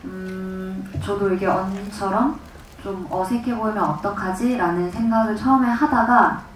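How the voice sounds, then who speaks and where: Thoughtful actress in an echoey hall. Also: female voice, mid-range voice, recorded from a distance, soft background music. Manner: thoughtful, measured. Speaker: actress at a press conference. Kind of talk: answering questions on a panel. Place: large cinema hall.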